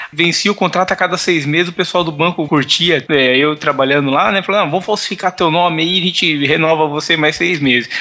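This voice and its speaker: A man with a fairly high pitch talks at a fairly quick pace, with hardly any pauses, very even loudness and fairly even intonation. Noticeable background noise is present. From Paraná, southern Brazil. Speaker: aviation worker. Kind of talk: casual chat.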